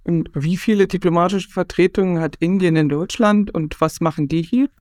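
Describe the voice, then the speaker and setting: A man hosting an interview, reading prepared questions and facts in a brisk manner. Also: sits high, darkish tone, dry recording, clean studio sound. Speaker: host. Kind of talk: scripted interview moderation.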